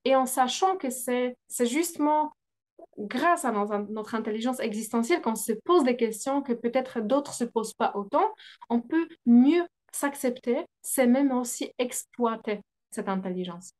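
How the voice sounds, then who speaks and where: Guest: non-native French-speaking woman, business coach, higher voice, hesitant, filler-heavy delivery. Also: animated, unhurried, a little mellow. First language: not French. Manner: hesitant, many fillers, laughs often. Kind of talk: interview answers, explaining.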